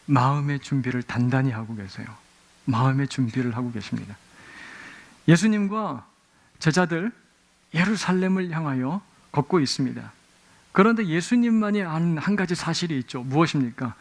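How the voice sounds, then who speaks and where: A middle-aged man preaching a Sunday sermon in a church, telling stories with lively acted-out exclamations. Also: mid-range voice, normal speed. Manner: animated storytelling with acted-out exclamations. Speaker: pastor. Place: church sanctuary.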